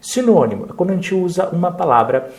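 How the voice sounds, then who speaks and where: A man's voice: high voice, very animated, fast talker, a little mellow. A Brazilian Portuguese-speaking man teaching an exam review lesson, explaining step by step and checking in with short tag questions.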